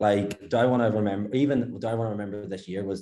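This man has a Northern Irish accent and a fairly low pitch. His tone is dark and mellow, and the background is quiet. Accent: Northern Irish (Belfast). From Belfast, Northern Ireland. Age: 20s. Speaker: fitness coach. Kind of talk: interview conversation.

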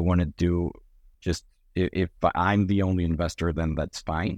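A man with a Spanish accent speaks at a moderate pace in a very deep, low pitch with monotone, flat intonation. The sound is dry and close with no echo, and the background is quiet. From Mexico City. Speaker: crypto fund founder. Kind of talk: interview.

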